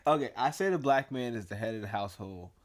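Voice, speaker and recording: A man's voice: on the low side, expressive, quick pace. A man co-hosting a casual podcast, talking in a laid-back, playful way and laughing often. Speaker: podcast co-host. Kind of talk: casual conversational podcast chat.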